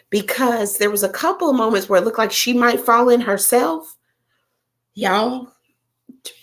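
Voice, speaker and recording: A woman with a Southern American accent, chatting casually with viewers on a livestream and telling stories in an animated way. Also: medium pitch. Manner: animated storyteller, talks straight to viewers, frequent fillers. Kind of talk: casual chat.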